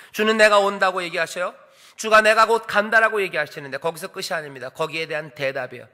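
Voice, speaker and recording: High, bright-voiced man preaching a sermon. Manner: preaching with rhetorical questions and repeated cries. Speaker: pastor. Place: church sanctuary. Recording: long hall reverb of a church.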